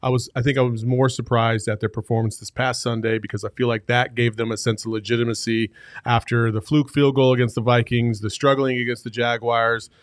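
A man's voice: mid-range voice, little pitch movement, brisk, dry recording. A man, a sports beat reporter, talking casually and teasing on a podcast panel, on a dry studio mic. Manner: teasing, blunt.

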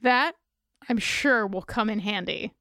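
A woman's voice: on the high side, measured pace, pushed and bright, no echo. A woman co-hosting a podcast, chatting casually with dry, wry humor. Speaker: podcast co-host. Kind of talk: casual chat.

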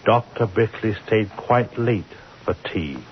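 An actor playing a wry storyteller in an old-time radio drama, with theatrical, gently ironic narration. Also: male voice, fairly low pitch, unhurried, a little hiss or hum, close to an everyday voice. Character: wry storyteller narrating a doctor's daydreams and dark secrets. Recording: dull old radio recording with music.

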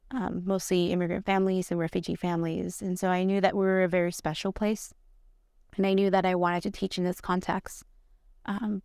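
Soft-toned reflective woman, flat delivery. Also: lowish voice, gravelly, dry recording, studio quality. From Atlanta, US. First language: Spanish. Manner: thoughtful, frequent ums and likes. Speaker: art teacher. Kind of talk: reflective podcast interview.

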